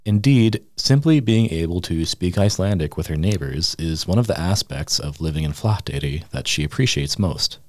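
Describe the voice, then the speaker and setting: A man narrating a scripted news feature as a reporter, measured and steady. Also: low-pitched, no echo, studio quality. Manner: measured, reads quotes aloud in the same voice. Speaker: radio reporter.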